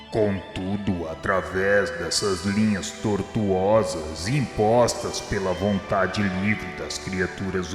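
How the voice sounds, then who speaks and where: An actor playing Jesus in a radio drama as a grave, merciful divine master, speaking in measured, formal oratory. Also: male voice, sits low. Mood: merciful, assuring. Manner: measured, solemn, preaching declamation. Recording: echoey reverberant hall sound, music underneath. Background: music.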